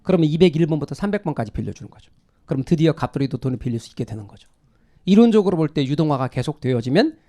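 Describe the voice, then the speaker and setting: A middle-aged man teaches a real estate exam course, explaining things conversationally in class, repeating key terms and answering his own rhetorical questions. His voice is on the high side with a warm tone.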